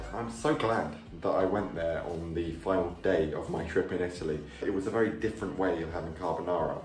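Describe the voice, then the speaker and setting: The speaker talks at a fairly quick pace with ordinary pitch variation. Audible room echo and faint music sit in the background. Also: man. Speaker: home cook vlogger. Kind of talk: casual vlog chat. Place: kitchen. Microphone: phone near.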